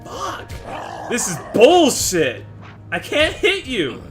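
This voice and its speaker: A brash man talks to his chat while playing, swearing freely and trading jokes. His pitch swings widely, and faint game music plays underneath. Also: huge pitch swings, slow. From Texas. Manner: brash, profane, joking with chat. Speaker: streamer. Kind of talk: casual live gaming stream chatter.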